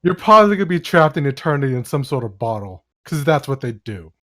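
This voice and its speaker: A man playing a stern, fatherly paladin in a tabletop game, giving threats in a casual, halting way. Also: medium pitch, sing-song, bright, forceful tone. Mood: stern warning.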